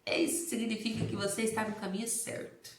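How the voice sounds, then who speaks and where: A woman's voice: fairly high pitch, level tone, fast. Brazilian woman teacher lecturing in echoey room. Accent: Brazilian Portuguese. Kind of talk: recorded lecture on early literacy. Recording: roomy, echoey recording.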